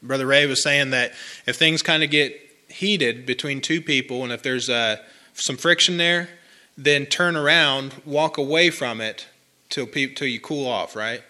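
A man delivers a homely, chatty sermon to a small congregation. His voice is very bright and forward, and he often says a phrase twice for weight. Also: medium pitch, measured pace. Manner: conversational, folksy, repeats phrases for emphasis. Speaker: pastor. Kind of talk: informal sermon with congregation responses.

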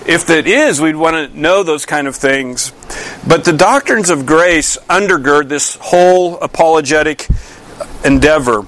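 A man's voice: on the high side, expressive, unhurried, a bit bright. A male pastor delivering a conversational sermon, asking his listeners many questions and often restarting his sentences. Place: church.

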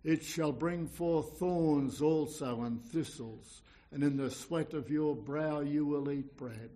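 A man's voice: fairly high pitch, takes it slowly, warm tone. A man preaching an evangelical sermon in an earnest, exhorting manner, often repeating phrases and posing questions.

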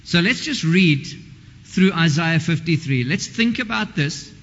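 A man's voice: a little high, expressive, measured pace, fairly bright tone. A man preaching a sermon in a conversational, informal way, often breaking off and restarting his sentences. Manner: conversational, self-interrupting and informal. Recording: dull lo-fi sound with long hall reverb.

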